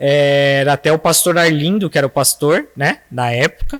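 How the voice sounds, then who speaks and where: A man talks in a fairly high voice, the sound dry and close with no echo. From Brazil, São Paulo area (Santana de Parnaíba). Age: 30s. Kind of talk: casual interview, life testimony. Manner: halting, many fillers.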